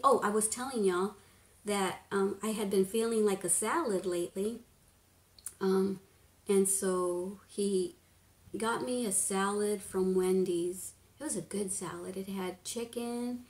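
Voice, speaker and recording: A woman in her fifties chatting casually on a home live stream, rambling, laughing often and sometimes dropping to a hush. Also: mid-range voice. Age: 50s. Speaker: beauty vlogger, live stream host. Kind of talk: casual live-stream chat reading comments. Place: living room at home, indoors. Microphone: webcam at desk distance. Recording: echoey room.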